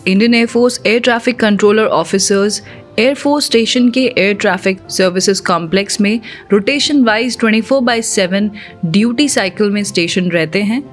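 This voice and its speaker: A woman presenting a scripted informational video, speaking in a steady, informative way with many English terms mixed in. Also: medium pitch. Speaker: channel presenter. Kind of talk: scripted explainer narration.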